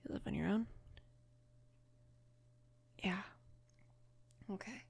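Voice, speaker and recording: A woman voicing a young mafia boss's daughter, gentle, protective and flustered, in a soft, hesitant near-whisper for an ASMR romance roleplay. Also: medium pitch, slow, vocal fry, slightly rough, full character voice. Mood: caring, shy.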